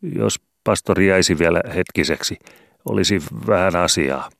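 Male reader voicing a hedging, stammering son, raised from a very deep voice. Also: vocal fry, fairly bright tone, dry recording, studio quality. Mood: hesitant. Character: hesitant scheming adult son, grown man. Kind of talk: audiobook character voice.

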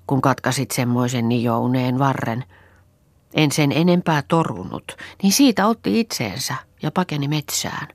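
A woman's voice: a bass voice, no echo. A woman reading an audiobook, voicing a weary, plain-spoken country woman who rambles matter-of-factly. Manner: rambling, matter-of-fact storytelling.

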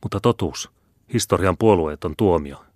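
A man's voice: low voice, darkish tone, dry recording, studio quality. A man voicing a frightened, humbled male prisoner who speaks in a trembling, pleading, subdued way in a storybook reading. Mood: bitter.

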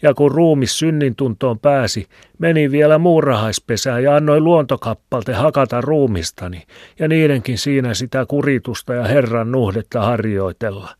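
A man's voice: medium pitch, darkish tone, no room sound, voice pushed up, close to an everyday voice. A man voicing a stubborn, grumbling old village shoemaker with a rambling, folksy way of talking, in a dry close recording. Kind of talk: audiobook reading. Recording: dry close studio sound.

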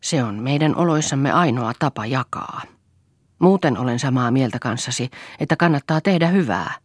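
A woman reading an audiobook, voicing an earnest wife who pleads and then turns quietly defiant. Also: extremely low pitch, expressive, husky, no room sound, studio quality, exaggerated voice.

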